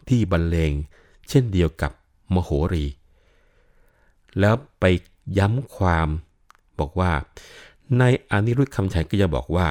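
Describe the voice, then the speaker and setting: A man's voice: low voice, darkish tone. An older man giving a patient explanatory talk on classical literature, often adding polite particles. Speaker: lecturer on Thai classical literature.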